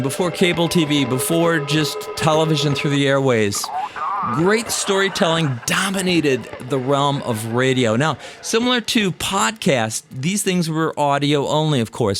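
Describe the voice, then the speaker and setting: A middle-aged American man telling a first-person story in a conversational, folksy way. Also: a little high. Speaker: podcast host and storyteller. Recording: music playing behind the voice. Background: background music.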